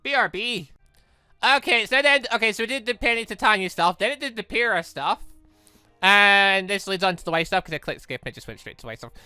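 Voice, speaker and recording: A man's voice: high voice, expressive, brisk, pushed and bright, clean tone, no echo. A man hosting a let's play, rambling through his commentary with stammered self-corrections. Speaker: gaming video host. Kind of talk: let's play commentary, reading visual novel dialogue aloud. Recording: music behind the voice.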